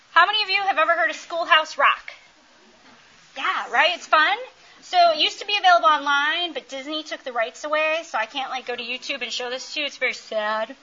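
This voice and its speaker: A woman's voice: high-pitched, pushed and bright, lo-fi sound. A woman presenting an interactive talk, quizzing the audience and doing playful, teasing crowd work. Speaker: workshop presenter.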